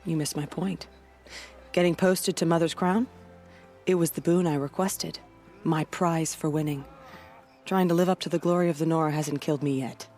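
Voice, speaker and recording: A woman playing a stoic, devout tribal warrior in a video game, speaking in a solemn, measured and formal way. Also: low-pitched, steady tone, warm tone, faint music behind. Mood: proud, resolute. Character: stoic, devout female tribal warrior commanding a village's defenses. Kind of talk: dramatic video game dialogue.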